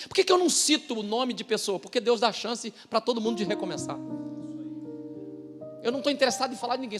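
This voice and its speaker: A man, a pastor giving a testimony at a church service, telling his story emphatically with loud outbursts and hushed asides. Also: very high-pitched, big-room sound.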